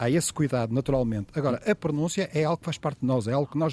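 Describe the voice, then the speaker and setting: A man's fairly high voice with a dark, mellow tone, very fast delivery and lively intonation, dry and close with no echo, over a quiet background. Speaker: author and language commentator. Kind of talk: casual interview chat.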